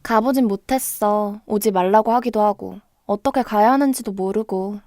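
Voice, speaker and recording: A woman's voice: mid-range voice, moderate pace, warm tone, no room sound, studio quality, close to an everyday voice. A woman playing a candid, naive, easily riled young female student in a radio drama.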